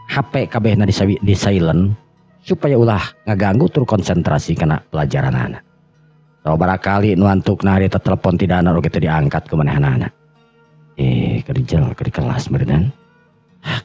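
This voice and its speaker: A man with a Sundanese accent and a gravelly, husky voice, telling a serial drama in an unhurried, conversational way. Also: deep voice, darkish tone. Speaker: storyteller and channel host. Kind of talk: oral storytelling of a serial folk drama. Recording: muffled recording with music underneath.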